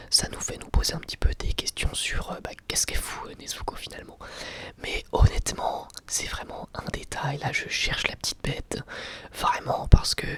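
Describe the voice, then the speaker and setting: A man gives a casual, unscripted ASMR review in a breathy whisper, enthusiastic but hesitant in his phrasing. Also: mid-range voice, fairly bright tone.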